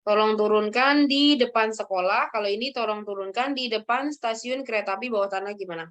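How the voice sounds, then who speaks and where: High-voiced woman teaching a language. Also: fairly quick, a bit bright. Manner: tags sentences with "ya" and calls on students. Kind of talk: online language lesson.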